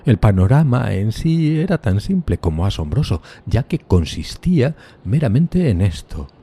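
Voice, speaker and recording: A man's voice: on the low side, big pitch swings, normal speed, warm tone, breathy edge, full character voice. A man playing a solitary, tormented outcast, narrating a gothic horror audio drama in a solemn, theatrical, literary manner. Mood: awed, horrified.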